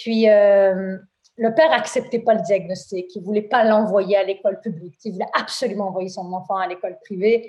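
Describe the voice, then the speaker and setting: A woman's voice has a dark, mellow tone and big swings in loudness. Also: medium pitch for a woman, ordinary pitch variation, moderate pace. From Quebec. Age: 30s. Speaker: healthcare executive. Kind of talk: interview. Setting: live recording. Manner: energetic.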